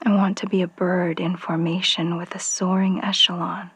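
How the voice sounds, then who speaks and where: A woman's voice: lowish voice, flat delivery, no room sound. A woman playing a forlorn, yearning character in a whispered, solemn poetic monologue. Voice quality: breathy, whispering. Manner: slow, solemn, bleak.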